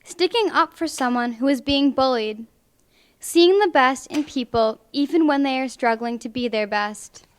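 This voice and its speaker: A young woman reading a picture book aloud to children in clear, deliberate phrases at a library. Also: high voice. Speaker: volunteer storybook reader. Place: public library, indoors.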